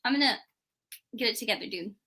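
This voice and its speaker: Lady chatting books on a livestream, bright highish voice, lots of like. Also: fast, husky. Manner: informal, heavy use of "like". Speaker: co-host of a book club readalong. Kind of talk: casual book chat, live show.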